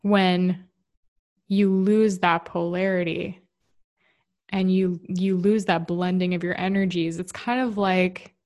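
A woman speaks in a casual, rambling monologue about relationships, frank and unguarded. Her voice sits a little low for a woman. She often restarts her sentences as she talks. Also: steady tone, takes it slowly, darkish tone. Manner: candid, rambling, with frequent restarts. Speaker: relationship and spirituality talker.

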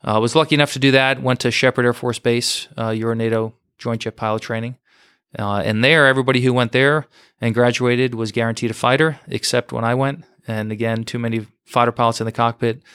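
Interview guest, man in his forties from New York, smooth, flat delivery, filler-heavy and unassuming. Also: medium pitch, fairly quick, no echo, clean studio sound. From United States, New York. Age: 40s. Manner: steady, modest storytelling with frequent fillers. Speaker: guest, former fighter pilot. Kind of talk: casual podcast interview.

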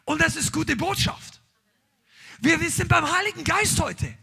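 A man preaching a charismatic sermon to a congregation, emphatic and animated, dropping English words and shouting out exclamations. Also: extremely high pitch, a little slow, creaky. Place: church hall with congregation, streamed online.

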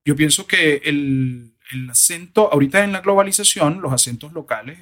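A man answering interview questions on diction and accents in a lively, rambling way. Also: fairly high pitch, normal speed. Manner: animated, discursive, frequent "o sea" asides. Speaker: guest, voice and diction expert. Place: lives in the United States.

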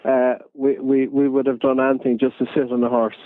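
A man with a west of Ireland accent reminisces as a guest in a radio interview. He tells his stories in an unhurried way, at a middling pitch. The sound is narrow and phone-like, with no room echo. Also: level tone. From County Galway, west of Ireland. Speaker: interview guest, photojournalist and fox hunter.

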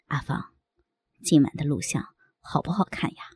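A woman doing a hushed, gravelly-voiced coaxing man. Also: lowish voice, expressive, normal speed, no echo, voice pushed down, heavily acted. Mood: soft coaxing. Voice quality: soft, hushed, half-whispered. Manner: tender, wheedling. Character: gentle coaxing adult man, soft-spoken lover.

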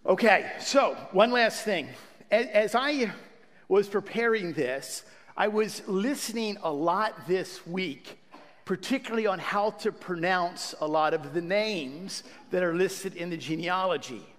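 Man, pastor, church sermon, higher pitch, reverberant sanctuary. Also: a little slow. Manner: warm pastoral address with fillers and restarts. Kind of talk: church sermon introduction and prayer.

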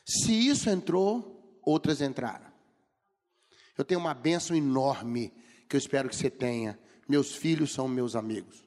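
A man's voice: mid-range voice, moderate pace, a little mellow. A middle-aged man with a Brazilian Portuguese accent preaching a sermon, telling humorous stories and acting out the people he quotes. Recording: long reverb of a large hall.

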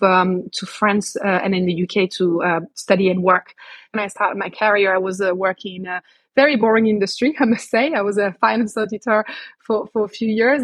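A woman's voice: medium pitch, breathy edge, no room sound. A woman from Morocco, a guest in a podcast interview, talking with many fillers and restarts. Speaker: guest, travel company managing director. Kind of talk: conversational interview.

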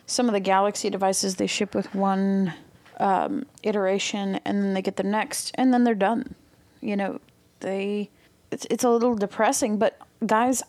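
A woman co-hosting a tech podcast, speaking unhurriedly and at a middle pitch. Her sound is dry and close, with no room echo. She talks casually and frankly, often in short reactions. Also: darkish tone. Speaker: podcast co-host.

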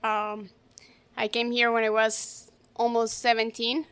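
A woman in her thirties, from Colombia, speaks English. Her voice is fairly high and smooth. She talks softly and haltingly as a guest, with small slips in her English. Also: monotone. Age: 30s. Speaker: guest, real estate entrepreneur. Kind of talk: casual interview.

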